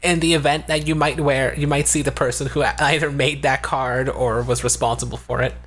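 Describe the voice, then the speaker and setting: Husky-voiced man co-hosting. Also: mid-range voice, steady tone, fairly quick, a bit bright. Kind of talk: casual chat.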